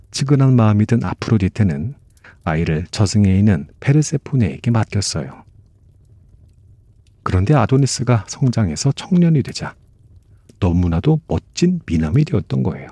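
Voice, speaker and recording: A man with a dark, relaxed, lowish voice narrates old myths as bedtime stories. He is soft-spoken and gentle, and the recording is close and dry, with hardly any room sound. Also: dry recording. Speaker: storyteller.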